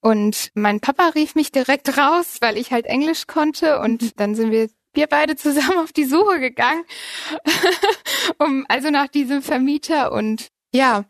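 A woman's voice: high voice, animated, a little slow, a bit bright, no room sound, studio quality. A woman in her early thirties from Germany, an interview guest telling a personal story in a conversational way and often laughing as she goes.

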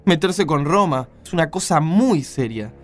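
A man's voice: a little high, expressive, moderate pace, soft background music, lightly acted. A man with an Argentine accent playing a blunt, skeptical, weary caravan-leader father in a radio play. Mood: grim, emphatic.

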